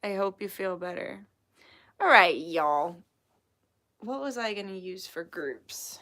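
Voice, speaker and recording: A woman's voice: mid-range voice, expressive, slow pace, bright, forceful tone. A young woman hosting a tarot livestream, chatting casually with viewers, swearing freely and laughing often. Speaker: tarot reader livestream host. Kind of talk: casual livestream chat, reading chat messages.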